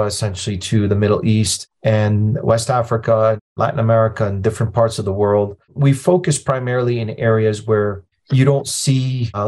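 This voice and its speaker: A low-voiced man in his fifties, originally from Lebanon, speaking as a guest on a podcast. He tells his story in a plainspoken, matter-of-fact way, with the steady directness of a retired officer. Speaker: nonprofit president, guest. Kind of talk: conversational storytelling interview.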